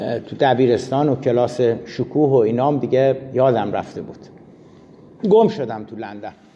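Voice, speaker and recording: A man talks at a moderate pace in a normal speaking voice, medium in pitch, with ordinary pitch variation and big swings in loudness. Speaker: history lecturer. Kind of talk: lecture.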